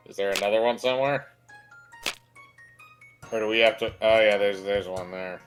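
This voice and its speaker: A man's voice: on the low side, normal speed. A man chatting casually as co-commentator on a let's play. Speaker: co-commentator on game stream. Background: game music.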